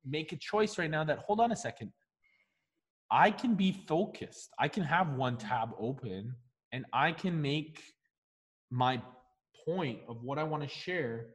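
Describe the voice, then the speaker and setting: A man's voice: a little high, big-room sound. Man with a canadian accent coaching. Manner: encouraging, asks questions, frequent restarts. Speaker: mindset coach. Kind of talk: coaching session conversation.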